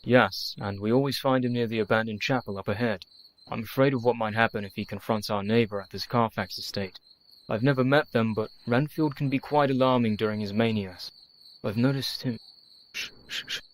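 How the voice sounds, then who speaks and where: A man playing an earnest young doctor, measured and devoted, in a radio play. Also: medium pitch, lightly acted, low-quality recording. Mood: tense.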